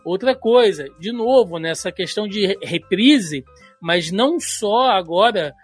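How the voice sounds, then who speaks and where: A man in his thirties from Brazil co-hosts a casual podcast in a Carioca accent, giving long, chatty explanations full of "né" fillers and tangents. He sounds high-pitched, husky and animated, at a slightly slow pace. Soft background music plays.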